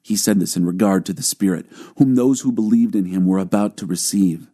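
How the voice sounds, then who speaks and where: A man's voice: low-pitched, a little fast, mellow. A man reading scripture as a scripted audiobook narration.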